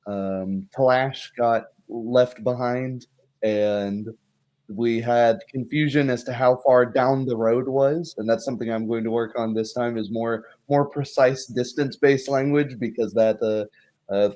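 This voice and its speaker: Male tabletop host, weary, unhurried and halting, casual recap style. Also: medium pitch, steady tone, mellow. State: tired. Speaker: game master and host. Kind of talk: casual livestream chat and recap.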